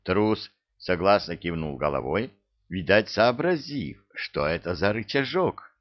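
A man reading a story aloud in an expressive audiobook narration. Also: deep voice, unhurried. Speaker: audiobook reader. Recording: dull lo-fi audio.

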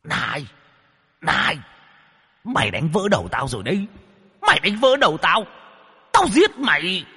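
A man voicing a vengeful ghost possessing a man, in a shrill, wailing, pleading voice. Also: sing-song, normal speed, sharp tone, husky, long reverb tail, exaggerated voice. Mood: shrieking furious. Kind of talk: audiobook character voice.

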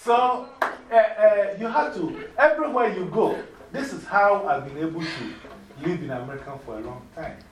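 A middle-aged woman with a Ghanaian accent, mentoring young people in an informal classroom talk, lively and preachy, laughing easily. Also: fairly low pitch, normal speed. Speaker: mentor speaking to youth. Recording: echoey room from far off.

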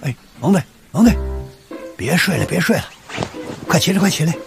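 A man's voice: fairly high pitch, expressive, brisk, creaky. An actor playing a fussy, boastful old grandfather from Beijing who stammers and rambles, in a radio drama over background music. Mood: flustered. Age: older.

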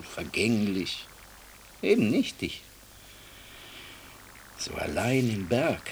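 An actor in a radio play voicing a devout, impassioned Jewish man who speaks haltingly, at times dropping to a whisper. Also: on the low side, slight background noise, full character voice.

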